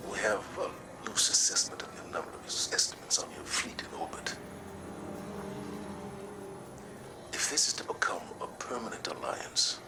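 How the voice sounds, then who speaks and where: An actor playing a calm, wise military commander in a video game, measured, earnest and diplomatic, in a breathy, hushed voice. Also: male voice, sits low, background noise. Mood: cautious, diplomatic. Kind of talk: scripted video game dialogue.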